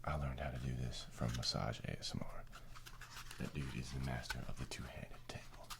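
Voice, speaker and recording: Whispering at a fairly quick pace, a man comes through with noticeable background noise. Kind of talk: ASMR video. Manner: whispered.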